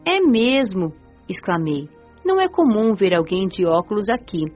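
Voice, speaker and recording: A curious young woman's spirit narrating a radio drama with gentle, lively intonation. Faint music plays under slightly dull audio. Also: medium pitch, normal speed. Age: young adult.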